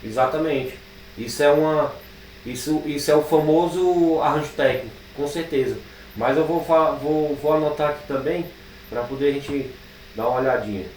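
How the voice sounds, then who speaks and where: A Brazilian man teaching programming, thinking aloud as he types code, with drawn-out fillers. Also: fairly high pitch, darkish tone, far from the mic. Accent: Brazilian Portuguese. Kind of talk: live coding class. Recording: echoey room, speaker away from the mic, faint background noise.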